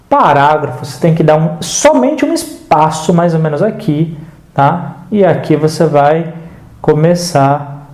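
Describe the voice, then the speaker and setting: A man teaching an online writing lesson in Brazilian Portuguese, lively and casual, answering the students' doubts he voices himself. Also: on the high side, echoey room. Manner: addresses the viewer casually, checks in with "tá?".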